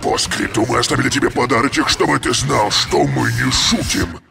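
Man playing a gravelly, menacing kidnapper. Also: mid-range voice, moderate pace, over music. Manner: threatening. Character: menacing adult kidnapper dictating a ransom note. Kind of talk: dubbed cartoon acting.

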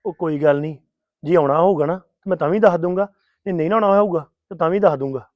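An actor playing an impatient young husband who insists on going home in a family drama. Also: male voice, fairly high pitch, fast, dry recording, lo-fi sound, natural voice. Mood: on the phone. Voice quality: insistent, grumbling. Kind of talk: Punjabi family drama acting.

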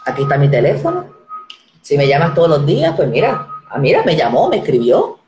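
Animated woman in her forties chatting. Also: low voice, a little fast, reverberant, dull audio, soft background music. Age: 40s. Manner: animated, acts out quoted voices, repeats words. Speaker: live-stream host. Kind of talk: casual chat commentary.

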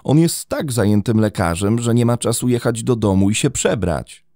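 A man's voice: medium pitch, expressive, moderate pace, mellow, no echo, clean studio sound, pitched above the performer's own voice, close to an everyday voice. A man reading as a defensive, infatuated businesswoman. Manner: defensive, excusing.

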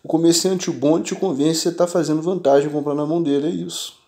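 Slightly high, fast and gravelly, this Brazilian man's voice drives a casual, emphatic talk aimed right at his channel's audience. He hosts a tech channel and runs a shop, and he keeps animatedly asking "entendeu?" to see if viewers are with him.

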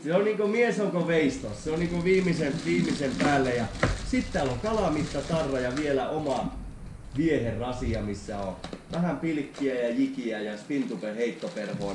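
A man's voice: mid-range voice, background noise. A man in his thirties hosting a fishing vlog, talking in an enthusiastic, chatty way on a frozen lake and later at a kitchen table. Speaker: fishing channel host. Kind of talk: casual on-camera chat. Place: outdoors on a frozen lake, then an indoor kitchen.

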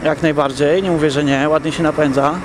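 Chatty young man riding a motorbike. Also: on the high side. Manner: relaxed, chatty, addresses viewers directly, drawn-out fillers. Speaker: motovlogger. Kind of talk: casual vlog talk while riding. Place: outdoors on a motorcycle in city traffic. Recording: helmet mic with wind and traffic noise.

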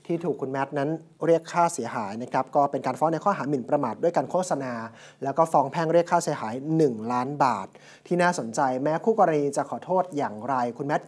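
A man hosting a morning news show, reading out a story and quoting people in a steady news delivery. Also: mid-range voice. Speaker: news program host.

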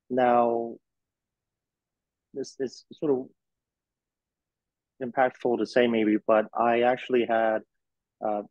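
A man in his twenties from Korea and New Jersey, an interview guest explaining things in a measured, matter-of-fact way over a video call. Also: medium pitch, no echo. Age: 20s. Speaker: interview guest, graduate student. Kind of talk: casual explanatory interview talk. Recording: dull, lo-fi video call audio.

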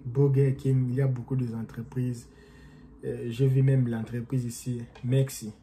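A young man with a very dark, mellow voice and an accent gives an animated motivational talk straight to his camera. He rambles and restarts as he gestures, recorded in a small room at home with a faint hiss behind him. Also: medium pitch, unhurried. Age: young adult. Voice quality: non-native-sounding French accent, by his own account. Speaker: motivational vlogger.

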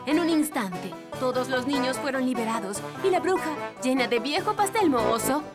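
A woman playing a fairy mother with a Latin American accent, narrating a children's story dramatically and deliberately in a cartoon dub. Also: sits high, expressive, loud music behind the voice. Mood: dramatic.

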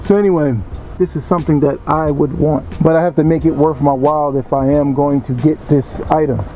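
A man's voice: a little high, steady tone, brisk, dark tone, slight background noise, low-quality recording. A man casually talking through his car restoration work in a garage and a junkyard, in a laid-back, slangy, rambling way, on a body-worn camera. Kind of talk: casual how-to commentary. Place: garage workshop and outdoor junkyard.

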